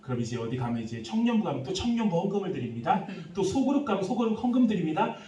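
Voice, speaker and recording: Middle-aged pastor preaching in an echoey church. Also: male voice, sits high, quick pace. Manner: lively anecdotal storytelling, laughing through it. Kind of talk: sermon. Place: church sanctuary. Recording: echoey room, speaker far from mic.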